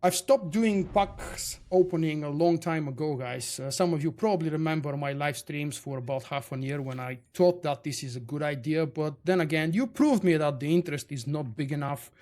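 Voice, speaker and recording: Bulgarian guy streaming games, talks to chat a lot, kinda higher voice. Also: normal speed, hardly any pauses, darkish tone. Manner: chatty, reads and answers viewer chat. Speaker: game streamer. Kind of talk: casual live-stream chat.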